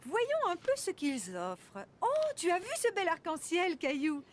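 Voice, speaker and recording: A gentle, high cartoon mom. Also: female voice, huge pitch swings, measured pace, a little hiss or hum, full character voice. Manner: soft, encouraging.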